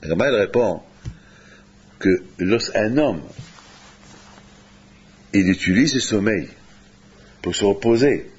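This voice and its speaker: Animated preacher man, dull lo-fi recording. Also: takes it slowly, long pauses, husky. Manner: animated, rising to high exclamations then dropping low. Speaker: rabbi. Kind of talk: sermon.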